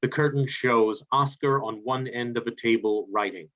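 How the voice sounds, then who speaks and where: A man's voice: mid-range voice, normal speed, a bit bright. A man reading stage directions as scripted narration for a play, over a video call. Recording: dull video call audio.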